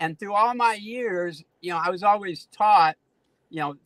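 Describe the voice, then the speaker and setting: With lively intonation, a man speaks at a high pitch in a dry, close sound with no echo. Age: 60s. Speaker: coaching student and real estate investor. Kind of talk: casual live show conversation.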